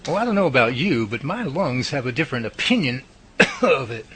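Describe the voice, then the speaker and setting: Man playing folksy skeptical sidekick, radio drama, swooping pitch, bright crackly voice, exaggerated. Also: sing-song, brisk. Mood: wry, complaining. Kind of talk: audio drama acting.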